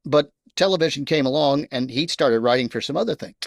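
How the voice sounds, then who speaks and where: A man works as host and interviewer with a lively, varied melody in his voice. The sound is very dry, and he moves between prepared presentation and questions for a guest. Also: medium pitch, brisk, dry recording. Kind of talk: scripted introduction, then interview questions.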